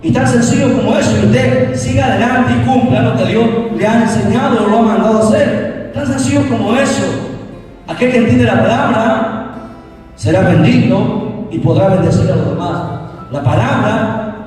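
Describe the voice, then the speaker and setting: A man's voice: high-pitched, moderate pace, a little mellow, faint music behind. A man pastor preaching a sermon, asking the congregation questions and answering them himself, recorded from a distance in a church hall. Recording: echoey hall recorded from far off.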